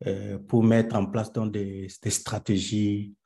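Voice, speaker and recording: A young man from Cameroon, a peace researcher, speaking as a guest on an online live interview, slowly and with many hesitant pauses. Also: on the low side, little pitch movement, vocal fry, warm tone. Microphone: video call.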